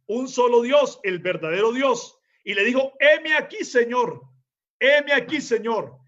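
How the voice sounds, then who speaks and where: A man's voice: very high-pitched, fairly bright tone, muffled recording. A male preacher teaching from the Bible in a sermon, emphatic, often putting rhetorical questions to his listeners.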